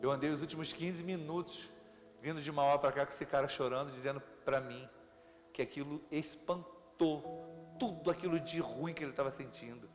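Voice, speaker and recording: A Brazilian pastor preaching in a church, his voice sitting high for a man as he tells lively stories. The sanctuary gives a long, ringing reverb, and soft music plays underneath. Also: moderate pace. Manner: lively storytelling with laughter. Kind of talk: sermon.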